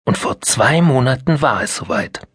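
A man narrating a children's Christmas story in an expressive storytelling manner. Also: medium pitch, moderate pace, husky, dry recording, clean studio sound. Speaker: audiobook narrator.

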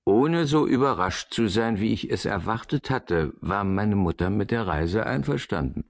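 A man narrating a radio drama in the first person, looking back on his childhood in a measured, reflective way. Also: fairly low pitch, animated, gravelly.

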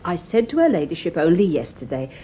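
An actress playing a fussy, grumbling elderly British housemaid, weary and deferential, in a radio drama. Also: female voice, lowish voice, very animated, quick pace, mellow. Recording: dull, noisy old radio recording.

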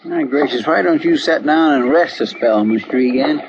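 A folksy frontier deputy, played by a man, with a slightly high voice and a slow rural drawl. He is poor and easygoing. The old radio broadcast sounds dull, with a faint hiss under it. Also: lightly acted. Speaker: marshal's helper. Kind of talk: 1950s radio drama acting.

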